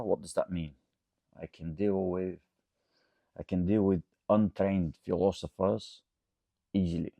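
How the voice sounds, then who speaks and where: Bulgarian guy coach chatting unscripted, really low voice with lots of fry, kinda rambly, dry sound. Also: warm tone, no echo. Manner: rambling, checks understanding with frequent "okay?". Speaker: coach and host answering audience questions. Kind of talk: casual unscripted talk to camera.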